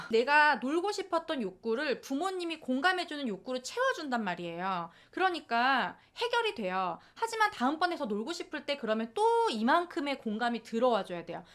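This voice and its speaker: A woman's voice: sits high, a bit bright. Woman coaching parents, talks to camera, voice swoops a lot, acts out little quotes. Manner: explains step by step, acts out short quoted lines. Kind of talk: parenting advice talk to camera.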